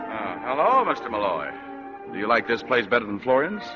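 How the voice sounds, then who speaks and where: A man's voice: mid-range voice, big pitch swings, a little fast, natural voice. Sex: man. Figure: an actor as a wisecracking hard-boiled private eye. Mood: sardonic. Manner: dry, sardonic wisecracks. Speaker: private detective and narrator. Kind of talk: 1940s radio acting. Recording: muffled old radio broadcast with music.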